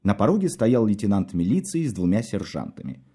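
A man reading a story aloud, expressive and wry in his storytelling. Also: on the low side, fairly quick, slightly rough. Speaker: narrator. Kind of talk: audiobook narration.

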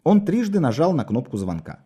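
A man reading a story aloud, expressive and wry in his storytelling. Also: fairly high pitch, brisk, husky. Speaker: narrator. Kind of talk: audiobook narration.

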